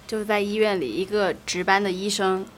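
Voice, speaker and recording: A woman's voice: medium pitch, moderate pace, a little hiss or hum. A young woman co-hosting a casual chat, telling a ghost story and acting out each character's lines. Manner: animated storyteller, acts out the lines. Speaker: co-host.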